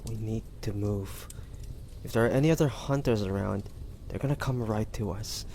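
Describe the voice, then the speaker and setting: A man playing a wounded, devoted young demon hunter in an audio drama, speaking in a halting, breathy, pained way. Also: fairly low pitch, mellow, a little hiss or hum, lightly acted. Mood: strained, urgent. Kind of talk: dramatic audio roleplay acting.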